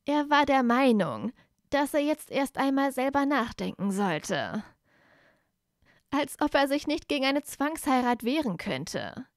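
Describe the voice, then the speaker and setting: Slow, calm woman narrating a story. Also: high-pitched, no room sound, clean studio sound. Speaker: fanfiction reader. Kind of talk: audiobook narration.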